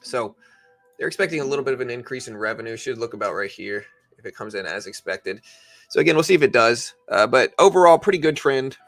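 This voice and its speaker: A livestream host with a bright, forceful voice of average male pitch gives casual live commentary on the stock market, explaining things conversationally as he answers chat. He speaks fast and expressively, with faint music behind him and no echo.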